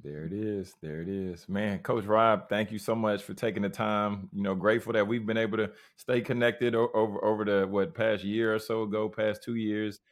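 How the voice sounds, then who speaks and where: A man's voice: fairly low pitch, fairly even intonation, normal speed, hardly any pauses. A man hosting a podcast in an informal, conversational way, often repeating short phrases. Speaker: podcast host. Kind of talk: casual podcast interview and sign-off.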